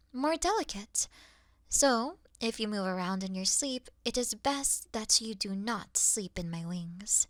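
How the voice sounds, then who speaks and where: A woman playing an awkward, officious moth girl in a sleep-aid ASMR roleplay, speaking softly and deliberately in a dry bedside murmur that slips into whispers. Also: medium pitch, dry recording. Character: awkward, officious young female moth monster offering comfort.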